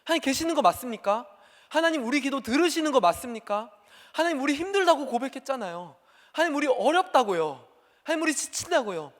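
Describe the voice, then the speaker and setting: A man's voice: extremely high pitch, very animated, fast, voice pushed up. A man voicing a desperate oppressed people crying out to God, pleading and repeating each cry. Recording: long hall reverb.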